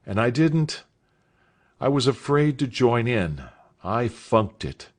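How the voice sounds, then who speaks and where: A man's voice: mid-range voice, big pitch swings, takes it slowly, pitched above the performer's own voice. A man reading aloud voices a nervous, earnest teenage schoolboy who speaks hesitantly.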